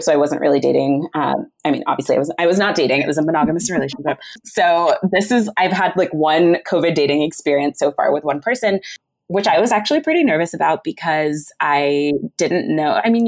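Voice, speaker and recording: A young woman from Northern Virginia, a guest on a talk show, chatting in a relaxed, hesitant way with many pauses and laughs. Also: fairly low pitch. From Northern Virginia, USA. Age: young adult. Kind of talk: casual chat.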